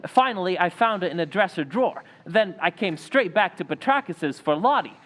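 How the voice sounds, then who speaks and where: Man playing a high-voiced, defensive young suspect. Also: lively intonation, moderate pace, fairly bright tone. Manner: indignant, slangy. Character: defensive, hot-headed young male robbery suspect. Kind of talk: old-time radio drama acting.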